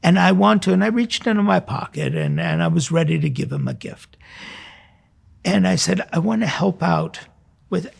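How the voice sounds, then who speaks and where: A man's voice: sits high, animated, moderate pace, gravelly, breathy edge. A man in his sixties, a priest hosting a religious program, gives a conversational sermon through earnest, informal personal storytelling.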